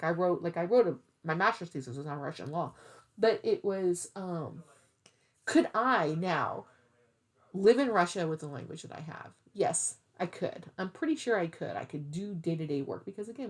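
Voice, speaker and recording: A woman hosting a craft vlog, chatting casually in a rambling way and thinking aloud as she goes. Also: lowish voice. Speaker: cross-stitch vlog host. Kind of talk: casual rambling chat to camera.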